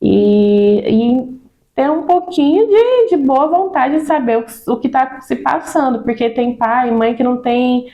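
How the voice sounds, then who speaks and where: A woman's voice: sits high, lively intonation, unhurried, mellow, muffled recording. A Brazilian woman speaking about children's ministry in an earnest, insistent way, often adding "né". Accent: Brazilian Portuguese. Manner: earnest, repeats words and tags with "né". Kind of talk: casual interview conversation.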